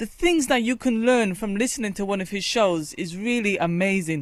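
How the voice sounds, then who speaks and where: Her pitch is medium and her pace moderate. This woman uses a plain, everyday voice with lively intonation. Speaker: radio talk show host. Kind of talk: radio interview questions.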